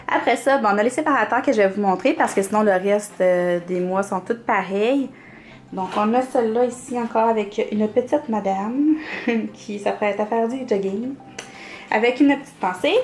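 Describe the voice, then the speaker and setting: Chatty Québécois woman showing her planner. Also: mid-range voice. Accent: Québécois French. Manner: chatty, many fillers, laughs often. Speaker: planner vlogger. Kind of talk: casual show-and-tell.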